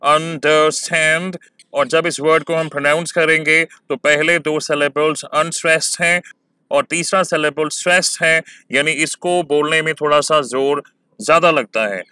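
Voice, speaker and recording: A man teaching exam-prep poetry lessons, talking slowly and stretching words to show syllable stress. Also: a little high, pushed and bright, smooth, no room sound, clean studio sound.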